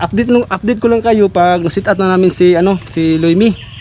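Rather brisk speech comes through with clearly audible noise behind it. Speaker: vlogger. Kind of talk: casual vlog. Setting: outdoors in forest.

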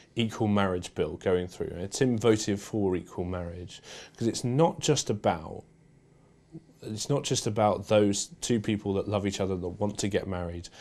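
With a southern English accent, a man speaks at a fairly low pitch with ordinary pitch variation. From southern England, Surrey. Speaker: parliamentary candidate; candidate. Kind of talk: political interview. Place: studio.

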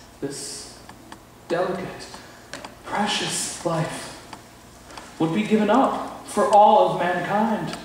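A man with a high voice speaks very slowly, with ordinary pitch variation. Strong room echo and light background noise are present. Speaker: narrator in a Christmas performance. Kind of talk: dramatic monologue. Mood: solemn, reverent. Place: church. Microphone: camera far.

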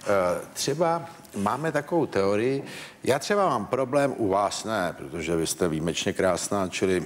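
Very wide pitch swings over light background noise. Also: man. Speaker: talk show host. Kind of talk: interview questions, joking chat. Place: studio. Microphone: lapel.

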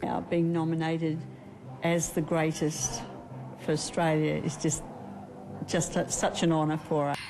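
Over noticeable background noise, a woman with a very deep, low pitch speaks at a fairly slow pace with long, frequent pauses, a monotone, flat intonation and very even loudness. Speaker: carer. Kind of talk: interview answer. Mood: warm, admiring. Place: home room.

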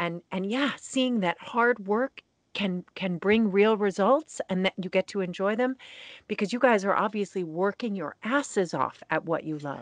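Dry and close with no echo, a woman's voice has an enthusiastic tone and lively intonation at a moderate pace. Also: medium pitch for a woman. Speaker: actress and podcast host. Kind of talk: interview conversation.

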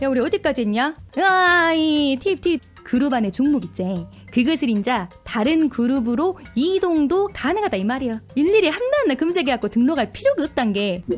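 Over music in the background, a woman with a Jeolla accent talks at a moderate pace in a high pitch, her pitch swinging very widely. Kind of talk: comic tutorial explanation. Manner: casual, boisterous.

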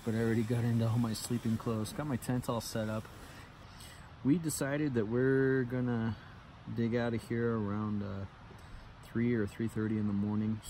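A man talks at a moderate pace with fairly even intonation and long, frequent pauses. The sound is dry with no echo, with light background noise. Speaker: hiker vlogger. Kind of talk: casual vlog chat. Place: tent. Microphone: phone near.

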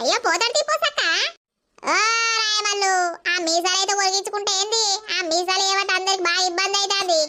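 A woman's cartoonish character voice, extremely high in pitch, with very even loudness. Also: moderate pace. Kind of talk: village comedy cartoon. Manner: loud, teasing, gossipy.

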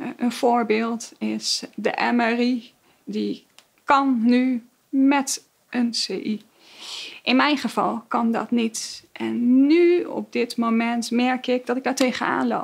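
Speaking at a very slow pace, a woman holds a high pitch with fairly even intonation. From Netherlands. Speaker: cochlear implant user. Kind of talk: testimony. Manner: hesitant, with fillers. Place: studio.

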